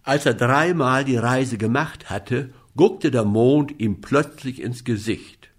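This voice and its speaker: A man reading a fairy tale aloud in an expressive storybook manner. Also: mid-range voice, breathy edge. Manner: expressive, slow storybook narration.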